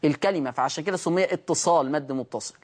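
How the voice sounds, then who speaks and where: A man teaching Quran recitation rules on a TV program. He asks rhetorical questions, answers them, and chants the example words slowly. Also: a little high. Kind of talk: televised recitation lesson.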